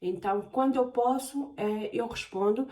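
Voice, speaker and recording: A woman's voice: on the high side, moderate pace, mellow. Hesitant Portuguese woman vlogging, slightly distant. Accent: European Portuguese. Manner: hesitant, many filler sounds. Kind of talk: casual Q&A vlog. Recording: voice a bit far from the mic.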